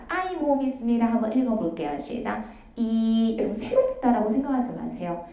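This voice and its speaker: A woman teaching an online language lesson, briskly cueing each sound and modelling it again and again for students to repeat. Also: fairly high pitch, dark tone. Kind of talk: online lecture with call-and-response drills. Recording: echoey room.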